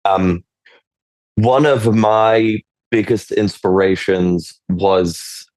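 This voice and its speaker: A man's voice: lowish voice, steady tone, extremely slow, darkish tone, no echo. A man from Switzerland, talking on a panel in a rambling way, often stopping himself and laughing. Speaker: panelist, game designer. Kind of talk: casual panel discussion.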